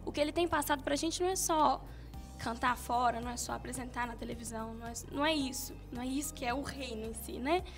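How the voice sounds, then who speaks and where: A young woman from Minas Gerais with a Mineiro accent, a guest singer telling her story with animated, laughing self-quotes. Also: high-pitched, quick pace, soft background music. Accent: Mineiro Brazilian Portuguese. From Minas Gerais, Brazil. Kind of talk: casual interview chat.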